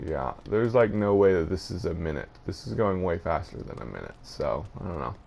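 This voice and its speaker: A man's voice: low-pitched, big pitch swings, fairly quick, vocal fry, darkish tone, slight background noise. A man giving casual, unscripted game commentary, thinking aloud in a hesitant way. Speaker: gaming video host.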